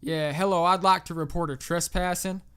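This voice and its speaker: A man voicing an angry, belligerent Southern American property owner with a thick drawl, swearing and shouting. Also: sits high, steady tone, moderate pace, smooth. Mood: pissed off. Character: furious foul-mouthed Southern male property owner, drunk and trigger-happy.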